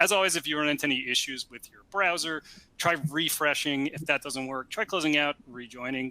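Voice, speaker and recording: Fairly quick and bright, a man speaks in a sharp tone with ordinary pitch variation. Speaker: webinar moderator. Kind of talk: webinar housekeeping and introduction. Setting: online webinar. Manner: fast; casual with frequent fillers.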